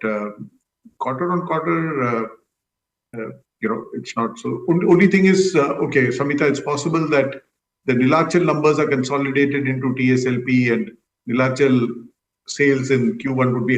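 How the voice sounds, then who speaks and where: Echoing, roomy conference audio carries a man. He speaks at a medium pitch as a company executive, explaining things in a measured, diplomatic way. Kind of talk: answering questions on an earnings call.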